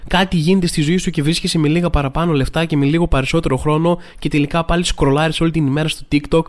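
A man hosting a casual, comedic solo podcast, talking in a rambling way full of fillers and restarts. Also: steady tone. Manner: acts out quoted people with sudden pitch jumps. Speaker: podcast host.

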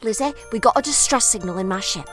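A woman playing an excitable, playful time-travelling leader in a dramatised story, chatty and eager. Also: fairly high pitch, quick pace, faint music behind. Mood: brisk, playful.

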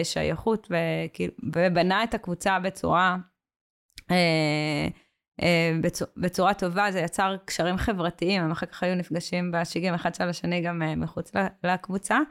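Woman on a podcast, kinda low, smooth voice, lots of um and restarts. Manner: hesitant, frequent filler sounds and restarts. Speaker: community worker, guest. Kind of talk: podcast interview conversation.

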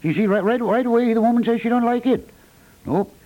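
An actor playing a fussy, folksy middle-aged contractor who stammers and repeats himself, in a 1950s radio comedy. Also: male voice, extremely high pitch, fairly quick, lo-fi sound. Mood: folksy, knowing. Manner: stammering, repeats words, folksy ungrammatical speech. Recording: vintage 1950s radio recording.

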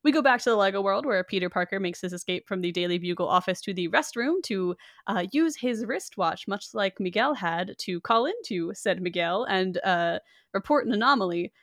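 A woman's voice: medium pitch, expressive, brisk, a bit bright, dry recording, studio quality. A woman hosting a podcast, recapping a film's plot in casual chat, with frequent fillers and small laughs. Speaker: podcast host.

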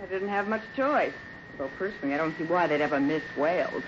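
A woman's voice: low voice, fast, natural voice. An actress playing a sarcastic, dangerous female outlaw in a 1950s radio drama. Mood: scornful. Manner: sarcastic, scornful. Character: scheming female outlaw, sharp-tongued and dangerous. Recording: dull hissy 1950s radio broadcast.

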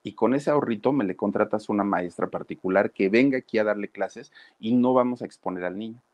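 A man voicing a protective, worried older grandmother who pleads urgently, in his own low voice within a spoken story. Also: brisk, a little mellow, no echo, dull audio, lightly acted.

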